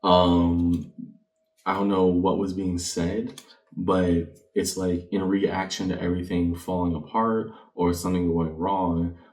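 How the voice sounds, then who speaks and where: Deep-voiced male tarot reader, roomy sound. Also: darkish tone. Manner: reflective, speaks directly to the viewer. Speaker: tarot card reader and channel host. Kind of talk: conversational tarot reading. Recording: roomy, distant mic with background noise.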